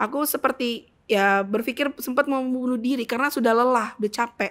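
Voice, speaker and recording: The recording is very clean with a silent background. A woman speaks fairly quickly in a high pitch with fairly even intonation. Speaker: deaf sign language teacher. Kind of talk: interview. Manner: halting.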